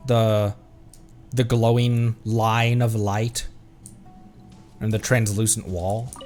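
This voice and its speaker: A man's voice: on the low side, flat delivery, takes it slowly, a little mellow. A man doing casual gameplay commentary as a streamer, chatty and thinking aloud. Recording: game music behind voice. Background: video game music.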